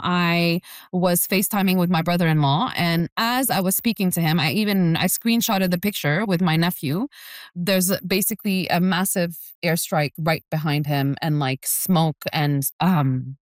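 A woman's voice: lowish voice, dry recording, clean studio sound. A woman in her thirties from Jerusalem, speaking earnestly and urgently as an interview guest, with frequent fillers. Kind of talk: remote news interview.

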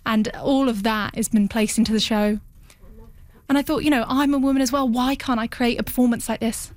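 A woman voicing a guest's answers as a sign language interpreter in a radio studio, measured and pausing. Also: fairly high pitch, fairly even intonation, darkish tone. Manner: measured, with pauses and restarts.

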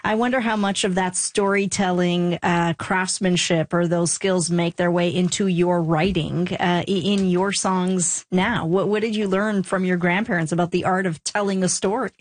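A woman co-hosting an interview, asking measured, thoughtful questions. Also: lowish voice, fairly even intonation. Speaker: interview co-host. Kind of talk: interview conversation.

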